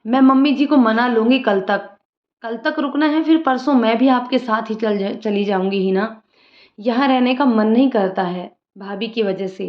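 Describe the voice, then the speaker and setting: A woman voicing a lively young woman, an outspoken sister-in-law who jokes and bosses others around. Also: fairly high pitch, moderate pace, lightly acted. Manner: bossy, joking, outspoken. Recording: roomy lo-fi room sound.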